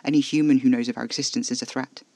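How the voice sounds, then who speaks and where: A brooding male vampire, clipped and cold, his gravelly words dropping low as he warns. A narrator puts him on in his own creaky register. Dry, close sound. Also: steady tone, rapid-fire, darkish tone, dry recording, lightly acted. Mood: tense. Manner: low, curt and barking.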